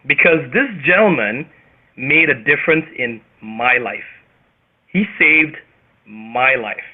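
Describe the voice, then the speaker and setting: A man with a Canadian accent hosting a motivational group conference call, speaking emphatically and theatrically with dramatic pauses. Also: medium pitch, lively intonation. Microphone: phone or web conference call. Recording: tinny phone-line radio sound.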